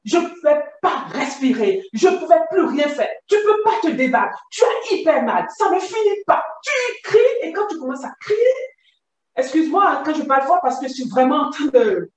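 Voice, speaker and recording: A woman giving a vivid, animated personal testimony. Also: high voice. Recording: very echoey, distant from mic.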